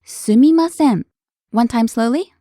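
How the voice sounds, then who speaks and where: A woman hosting a language lesson, explaining words clearly in an upbeat, scripted way. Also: a little high, a little slow, dark tone, no room sound, clean studio sound.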